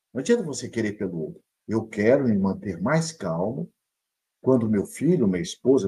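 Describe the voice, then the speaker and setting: Animated Brazilian man with a husky voice. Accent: Brazilian Portuguese. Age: middle-aged. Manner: animated, leaps between high and low pitch, acts out quoted thoughts. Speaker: psychologist giving a talk. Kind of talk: motivational live talk.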